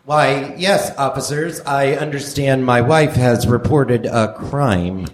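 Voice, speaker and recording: A man's voice: medium pitch, slow, echoey room, lightly acted. A man playing a stuffy, flustered husband and father in a comic radio play, mock-formal and exasperated. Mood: polite, nervous. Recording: noisy live theater stage recording.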